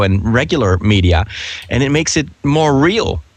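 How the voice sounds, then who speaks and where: Against noticeable background noise, a man with a Dutch accent talks at a medium pitch, his voice swinging very widely in pitch. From Netherlands. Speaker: priest and podcaster. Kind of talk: casual interview chat. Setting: Skype call. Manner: hesitant, repeats words.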